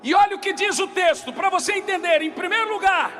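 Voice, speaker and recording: A man's voice: extremely high pitch, brisk, fairly bright tone, faint music behind. A Brazilian man preaching an impassioned sermon as a pastor, emphatic and declamatory, often raising his voice and repeating phrases.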